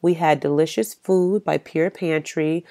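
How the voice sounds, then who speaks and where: A woman's voice: low voice, steady tone, unhurried, warm tone. A woman hosting her own podcast, talking in an encouraging, conversational way with frequent ums, her voice stuffy from a cold. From United States. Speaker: podcast host. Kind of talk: solo podcast talk.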